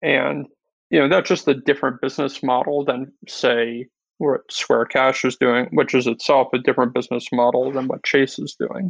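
A man speaks with an American accent at a medium pitch. His pace is moderate, and vocal fry is present. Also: ordinary pitch variation, dry, close sound with no echo. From US Northeast, New Jersey. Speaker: venture capital investor. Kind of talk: interview.

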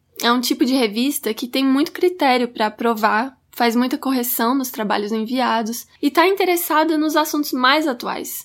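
Her pitch is high and varies in an ordinary way. The woman keeps a moderate pace with hardly any pauses. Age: 20s. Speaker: social sciences undergraduate researcher. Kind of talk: scripted podcast narration.

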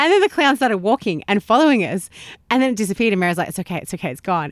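A woman with an Australian accent speaks at a medium pitch, her voice making very wide pitch swings. The recording is very clean with a silent background and a dry, close sound with no echo.

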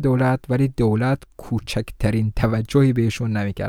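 The recording is very clean, the background silent. A man talks in a dark, mellow tone. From Iran, Karaj (Afghan family). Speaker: podcast host. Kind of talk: interview answers, partly read.

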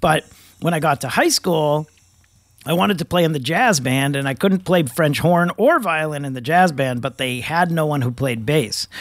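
A man with an unremarkable speaking voice, fairly high pitch, ordinary pitch variation, moderate pace and an American accent. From New England, US (Massachusetts/New Hampshire). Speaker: venture capitalist. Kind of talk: casual chat.

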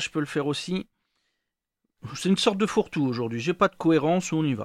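A high-pitched man speaks with ordinary pitch variation on a very clean recording with a silent background. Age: 40s. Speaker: podcaster. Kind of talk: casual monologue. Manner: hesitant, many fillers.

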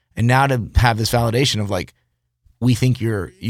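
Very fast speech with vocal fry and ordinary pitch variation, in a very clean recording with a silent background. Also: man. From Puerto Rico and New York. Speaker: journalist and podcast host. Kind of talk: interview. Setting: studio. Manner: animated.

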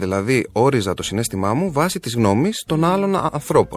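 Very wide pitch swings run through the man's speech at a moderate pace. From Crete, Greece. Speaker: author. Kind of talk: casual chat.

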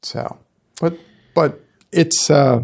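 A man talks with a New York accent. Vocal fry runs through his voice. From Brooklyn, New York. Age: 60s. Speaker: executive coach and author. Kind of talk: casual interview chat. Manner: calm.

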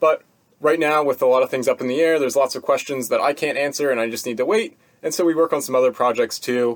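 The speech comes at a very fast pace. The sound is dry and close with no echo. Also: man. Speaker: church volunteer, work camp coordinator. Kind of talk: casual conversational interview.

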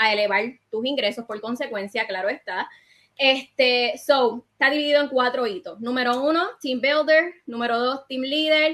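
Raised, projected voice with a bright, sharp tone, moderate pace and ordinary pitch variation. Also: woman. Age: 20s. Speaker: network marketing coach. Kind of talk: motivational talk. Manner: energetic.

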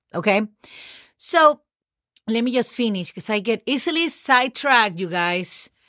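Pausing long and often, a woman with a Mexican accent speaks at a moderate pace in a fairly high voice with very wide pitch swings, the sound dry and close with no echo. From Mexico. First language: Spanish. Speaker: Spanish teacher, podcast host. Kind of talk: lesson, language tutorial. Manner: friendly, upbeat.

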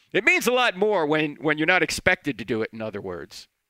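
In a very clean recording with a silent background and a dry, close sound with no echo, a man with an American accent speaks at a fairly quick pace, his fairly high pitch swinging very widely, his tone bright and sharp, with vocal fry. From New Jersey. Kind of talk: radio talk show monologue. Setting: radio studio.

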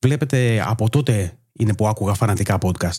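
Dark, mellow tone from a somewhat breathy man. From Greece, Piraeus. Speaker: podcast host. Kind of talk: monologue introduction.

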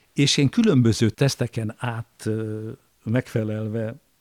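A man's somewhat breathy, dark, mellow voice at a medium pitch, very slow pace and fairly even intonation, in a very clean recording with a silent background and a dry, close sound with no echo. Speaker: film composer. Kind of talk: personal storytelling.

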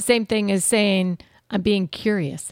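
A woman speaks in a normal speaking voice at medium pitch, with ordinary pitch variation and a fairly slow pace. The sound is dry and close, with no echo. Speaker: podcast co-host. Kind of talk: casual chat.

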